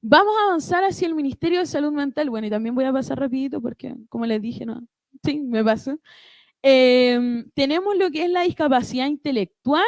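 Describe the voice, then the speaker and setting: A woman with a high voice presents a church ministry workshop. She explains things step by step and keeps checking in with her listeners through short tag questions. The sound is dry, with no room echo. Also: brisk. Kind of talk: instructive church workshop talk.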